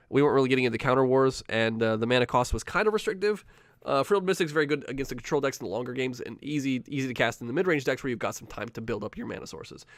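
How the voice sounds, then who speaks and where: Very fast speech from a man at a medium pitch, with ordinary pitch variation. The recording is very clean, and the background is silent. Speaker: gaming content creator. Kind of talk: casual tournament recap on stream. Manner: hesitant with many fillers.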